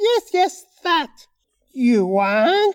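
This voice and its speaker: Here is a put-on character voice, squeaky and extremely high. Its pitch swings very widely. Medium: audio drama. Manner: childish, broken grammar.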